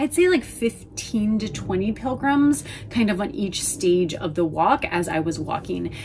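With lively intonation, a woman's voice is heard over music in the background. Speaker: travel vlogger. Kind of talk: casual vlog chat. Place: home room. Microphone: phone near.

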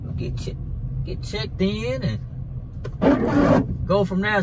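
A man speaks against loud background noise. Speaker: vlogger driving. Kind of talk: casual vlog chat. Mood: relaxed, upbeat. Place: car.

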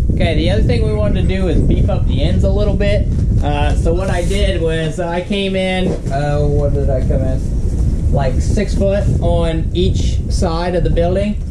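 A man talks at a middling speed while loud noise fills the background. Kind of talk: tutorial. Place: farm machine. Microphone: camera far.

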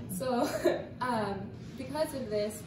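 A woman speaks at a moderate pace. Noticeable background noise runs behind her. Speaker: student presenter. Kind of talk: class presentation. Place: classroom. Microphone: camera far.

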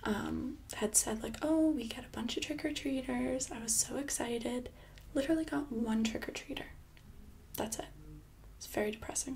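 A soft-spoken woman with a high pitch and ordinary pitch variation takes long, frequent pauses over light background noise. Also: moderate pace. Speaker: streamer or vlogger. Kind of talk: casual chat with a viewer or call guest. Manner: soft-spoken, hushed ASMR voice. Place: home room.

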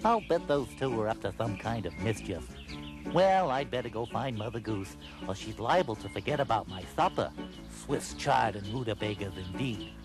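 A man performs in a cartoonish character voice. Clear music plays in the background. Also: fairly low pitch for a man, moderate pace. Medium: puppet show. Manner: wry, chatty, food-obsessed, honking.

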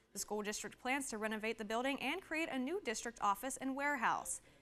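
A woman speaks at a very fast pace in a high, raised and projected voice. Her pitch moves in an ordinary way. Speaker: news anchor. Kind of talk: local TV news reading, polished broadcast delivery. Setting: TV studio broadcast. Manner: formal, steady, even-paced and clear, newsreader cadence. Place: studio. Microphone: lapel.

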